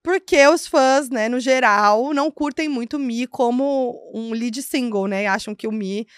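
Brazilian lady hosting a gossip chat, chatty and animated, kinda high voice, dry sound. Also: measured pace, smooth, no room sound. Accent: Brazilian Portuguese. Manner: chatty, animated, constant "né" and "gente" tags. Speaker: host.

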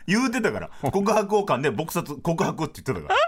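A man's voice: fairly high pitch, fast talker. A man with a Kansai accent hosting a podcast, telling stories in casual comedian banter and often breaking into laughter. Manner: animated storytelling, bursts of laughter. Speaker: podcast host.

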